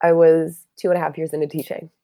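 A woman guest with a somewhat low voice, talking candidly and bluntly. The sound is close and dry, and her talk is full of casual fillers. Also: little pitch movement, fast talker, vocal fry, mellow, dry recording. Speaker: guest, yoga teacher. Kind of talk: casual conversation.

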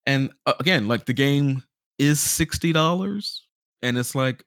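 A man co-hosting a podcast, giving a casual game review in an animated storytelling way, acting out reactions. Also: medium pitch, measured pace, clear, resonant tone, no echo, studio quality. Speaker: podcast host.

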